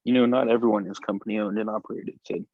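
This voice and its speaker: A man's voice: fairly low pitch, fairly even intonation, fast talker, no room sound. A man playing a teasing young sweetheart in a script table read, on dull, muffled audio.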